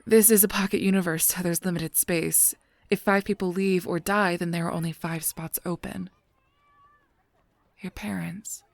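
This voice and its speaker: A woman acts as a gentle but guarded female angel in an audio drama. The voice is low and husky with a gravelly creak, often sinking near a whisper. The delivery is measured, halting and solemn, recorded very dry and close. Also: steady tone, no echo. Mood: grave, careful. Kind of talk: scripted audio roleplay drama.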